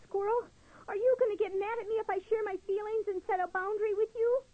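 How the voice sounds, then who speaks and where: A woman's voice: very high-pitched, fairly even intonation, quick pace, dry recording, voice pushed up. A woman voicing a timid, worried young male turtle who stammers and frets tearfully. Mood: nervous. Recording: dull lo-fi recording.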